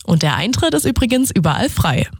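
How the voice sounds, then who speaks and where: A radio presenter hosts a regional news show from the studio, speaking briskly and very animatedly at a medium pitch into a studio microphone, with background noise audible. The tone is chatty and upbeat, aimed straight at the listeners.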